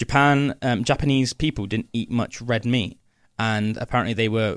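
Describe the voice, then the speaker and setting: A man speaks at a moderate pace with a British accent, his pitch sitting in the medium range. The recording is very clean, with a silent background. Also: dry, close sound with no echo. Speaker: podcast co-host. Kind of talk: casual chat.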